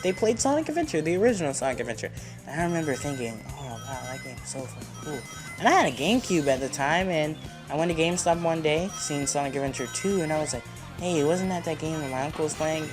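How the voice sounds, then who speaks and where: A young man hosts a let's play in a loose, informal way. He rambles casually, as if chatting to friends, while game music plays clearly underneath. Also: on the high side. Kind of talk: casual gameplay commentary.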